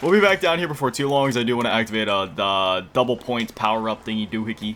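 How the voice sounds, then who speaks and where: A man talks very fast in a medium pitch, his pitch varying in an ordinary way, as noticeable background noise carries on. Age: 20s. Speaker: gaming youtuber. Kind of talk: gameplay commentary. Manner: casual, rambling with fillers.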